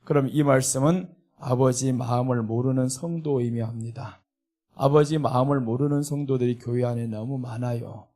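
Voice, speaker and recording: A man's voice: medium pitch, fairly even intonation, moderate pace, mellow. A middle-aged man preaching a sermon as a pastor, earnest and emphatic, with a Seoul Korean accent. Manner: earnest preaching, rising when voicing indignation.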